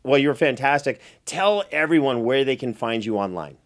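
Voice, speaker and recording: A man's voice: mid-range voice, animated, normal speed. A man hosting a podcast in a casual, conversational interview style, generous with compliments. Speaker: podcast host and producer.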